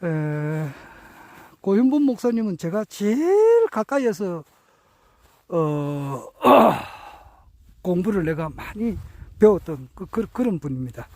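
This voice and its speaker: A man in his sixties giving a reflective spoken talk, earnest and hesitant, with many drawn-out fillers and self-corrections. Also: high-pitched, very animated, a little mellow, no room sound, rough recording. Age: 60s. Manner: earnest, self-correcting while counting out years. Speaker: speaker sharing reflections on his teachers.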